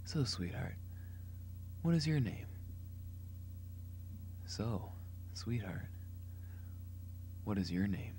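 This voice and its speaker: A man voicing a flirtatious rogue with a suggestive drawl, in an amateur audition on a quiet, hissy recording. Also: on the low side, animated, extremely slow, pauses often, exaggerated voice, poor audio. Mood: flirtatious, coaxing. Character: smooth, flirtatious male rogue. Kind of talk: amateur character audition lines.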